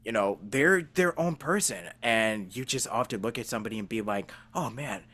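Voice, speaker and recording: A man with a fairly low voice hosts a casual interview podcast. His intonation is very animated, rising and dropping widely. He talks in an earnest, rambling way, circling his point as he goes. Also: normal speed. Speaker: podcast host, voice actor.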